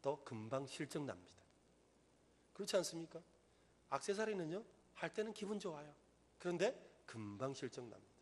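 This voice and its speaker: Man, middle-aged pastor, sermon in church, earnest, builds to loud emphatic stresses. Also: a little high, very animated, moderate pace, long pauses, husky. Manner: earnest preaching, rising to loud emphatic peaks. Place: church sanctuary.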